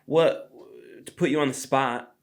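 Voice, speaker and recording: A man's voice: medium pitch, fairly even intonation, measured pace. Rambling, casual male podcast host. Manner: rambling, filler-heavy, swears casually.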